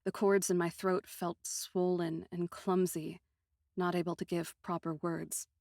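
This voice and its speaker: A woman narrating a first-person fantasy story in an expressive, literary manner with deliberate phrasing. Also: on the low side, creaky, no echo, studio quality.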